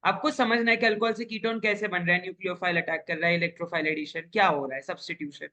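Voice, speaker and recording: In a relaxed interview, a young man who ranked at the top of an exam walks through how he studies, earnest and methodical, slipping English words into his speech. His high voice stays steady, bright, and forceful at a quick pace.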